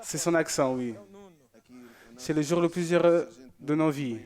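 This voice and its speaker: A man's voice: a little high, a little slow, a little mellow. A man presenting a church show, chatting casually and joking as he reads out viewer messages.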